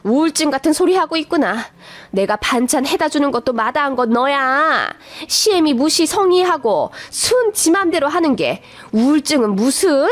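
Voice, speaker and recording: A domineering middle-aged mother-in-law who is quick to anger and hurls threats, as a woman puts her on. The voice sits high and sharp, and it comes in bursts of scolding. It is played in a read-aloud radio story. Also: very animated, dry recording. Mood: furious.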